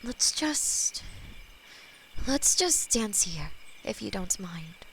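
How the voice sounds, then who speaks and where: A possessive female demon, centuries old, in an audio drama. She speaks at an unhurried, drawn-out pace, soft and intimate, with a clinging, possessive edge. A faint hiss sits under the voice. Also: medium pitch, very animated, exaggerated voice, low-quality recording. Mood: wistful. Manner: slow, intimate, possessive, softly spoken. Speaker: voice actor in audio roleplay. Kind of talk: scripted audio roleplay.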